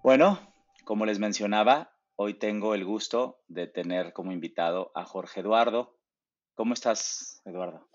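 A man hosting a podcast interview, speaking hesitantly and filling pauses with "eh". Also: fairly low pitch. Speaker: podcast host. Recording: dull lo-fi with faint music.

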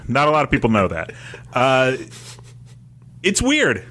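A man co-hosting a podcast in a casual panel discussion, giving his opinions with dry, deadpan joking. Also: medium pitch, unhurried, a little hiss or hum. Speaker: podcast co-host.

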